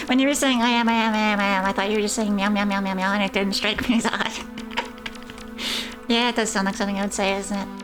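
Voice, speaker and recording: A woman casually narrating her way through a game on stream, now and then reading the on-screen poems aloud. Her voice sits at an ordinary middle pitch. Game music plays clearly beneath her. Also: fairly even intonation, a little fast, long pauses. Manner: reads in-game poems aloud, chats to chat. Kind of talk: casual gameplay commentary. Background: game music and insect sounds.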